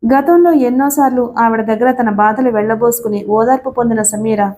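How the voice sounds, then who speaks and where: A woman's voice: a little high, moderate pace, mellow, slight background noise. A woman narrating an audiobook story, voicing every character's dialogue in her own voice.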